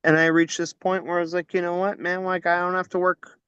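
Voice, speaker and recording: A man's voice: high-pitched, little pitch movement, a little fast, fairly bright tone, smooth, dry recording, highs cut off. A man in his forties chatting loosely as a podcast guest, rambling and cursing casually. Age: 40s. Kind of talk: casual chat.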